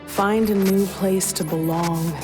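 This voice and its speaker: A woman as a slow, wistful tribal woman, reverberant. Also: mid-range voice, fairly even intonation, over music, lightly acted. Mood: resolute. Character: caring, proud, resolute tribal woman, wistful. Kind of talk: dramatic video game voice acting. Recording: long hall-like reverb.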